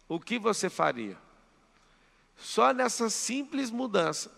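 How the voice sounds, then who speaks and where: Very gravelly Brazilian man in a hall. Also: sits high, pushed and bright. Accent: Brazilian Portuguese. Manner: emphatic, drills the audience with commands. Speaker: mentor. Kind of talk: live motivational seminar talk. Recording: long hall reverb.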